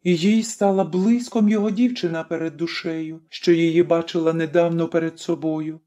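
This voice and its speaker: An audiobook narrator reading a literary story in a measured way, softening at the ends of phrases. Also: mid-range voice, steady tone, soft background music. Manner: slow, measured, dropping soft at line ends.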